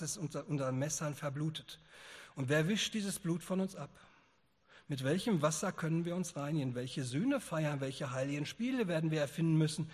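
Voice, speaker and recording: A man's voice: on the high side, a little mellow, slightly rough, big-room sound. A man reading aloud as a frantic madman who proclaims that God is dead, firing off urgent rhetorical questions. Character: frantic madman proclaiming God's death, male.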